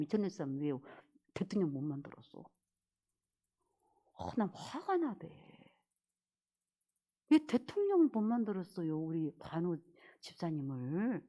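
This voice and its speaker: Woman pastor, lively swooping voice, scolding, loud then whispering. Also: lowish voice, normal speed, pauses often. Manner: animated and scolding, swinging between loud exclamations and whispered asides. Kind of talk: sermon.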